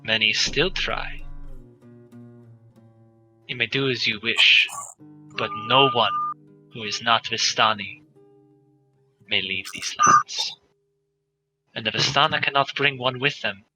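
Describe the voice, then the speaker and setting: A man's voice: mid-range voice, pushed and bright, soft background music, poor audio. Man putting on a solemn, mysterious fortune-telling woman. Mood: solemn, cryptic. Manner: measured, formal, cryptic phrasing.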